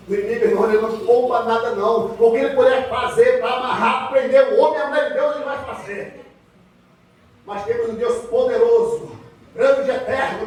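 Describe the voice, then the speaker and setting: A very high-pitched man with a Brazilian accent delivers a fervent church sermon. He builds emphasis through repetition and frequent hallelujahs. The sound is heavily echoing and picked up from a distance. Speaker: Pentecostal preacher. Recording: very echoey hall, distant microphone.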